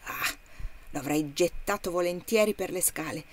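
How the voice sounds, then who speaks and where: A woman's voice: medium pitch, normal speed, slight background noise, natural voice. Woman reading as an uneasy plantation owner. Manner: curt, disgusted.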